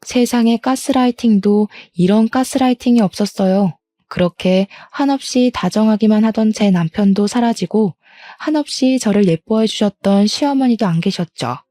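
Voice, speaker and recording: A woman's voice: mid-range voice, normal speed, dark tone, no room sound. A young adult woman telling a first-person story in a plaintive, aggrieved way. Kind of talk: scripted first-person narration.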